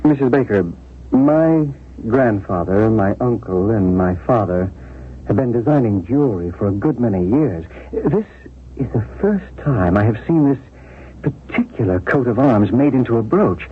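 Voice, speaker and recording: An actor playing a courteous, earnest small-town jeweler with halting, measured delivery in a 1970s radio drama. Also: male voice, mid-range voice, lively intonation, husky. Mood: shaken, halting. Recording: muffled vintage radio recording, faint noise.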